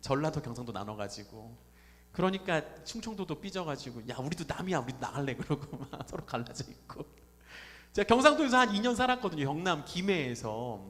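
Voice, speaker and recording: A man's voice: fairly high pitch, very animated, normal speed, a bit bright. A man preaching a Sunday sermon as pastor, talking conversationally and putting questions to the congregation. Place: church sanctuary. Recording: reverberant church hall.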